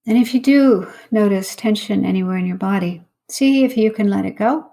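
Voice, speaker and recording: A woman, a meditation teacher, leading a guided meditation in an unhurried, instructional way with long pauses. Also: medium pitch, mellow.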